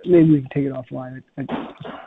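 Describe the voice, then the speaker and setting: A man's voice: medium pitch, steady tone, a little fast, slight background noise. A man, an analyst, asking rambling, stumbling questions on an earnings conference call. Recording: tinny phone line.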